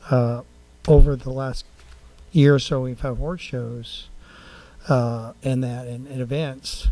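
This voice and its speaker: A man speaking as a council member in a public meeting, plain-spoken and rambling, with halting phrasing. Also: medium pitch, level tone, warm tone, poor audio.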